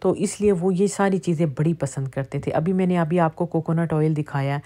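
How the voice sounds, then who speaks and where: A middle-aged Pakistani woman chats her way through a casual shopping vlog, commenting on prices as she films on a handheld phone in a big warehouse store. Her voice is low and dark-toned, and she moves at a moderate pace.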